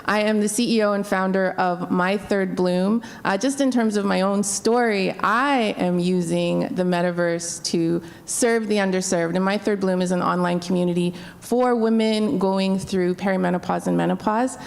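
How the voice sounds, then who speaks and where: A woman's voice: mid-range voice, fairly even intonation, moderate pace, vocal fry, few pauses. A woman from Canada, a company founder, introducing herself on a conference panel in a playful, self-assured way.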